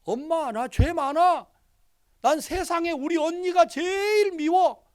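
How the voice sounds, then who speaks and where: A man acting out a dying young woman, a patient, who pleads and speaks with resentment in high outbursts. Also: slow pace. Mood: resentful.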